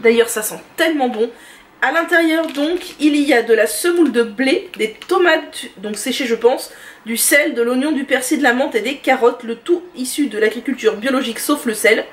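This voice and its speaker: A woman vlogger enthusiastically reviewing her favorite products in a chatty, casual way, often pausing with "euh". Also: high-pitched. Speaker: beauty and lifestyle vlogger. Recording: voice distant from the mic.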